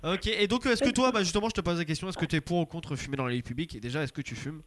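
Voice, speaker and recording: A man's voice: a little high, rapid-fire, a bit bright. A man hosting a casual radio call-in show, joking, teasing and rambling between listener messages.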